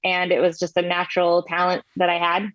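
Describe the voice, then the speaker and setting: A woman's voice: on the low side, completely flat delivery, a little fast, a bit bright, no echo. An American woman chatting casually as an interview guest, telling stories in a self-amused way, on slightly lo-fi audio. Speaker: podcast guest, voice actress.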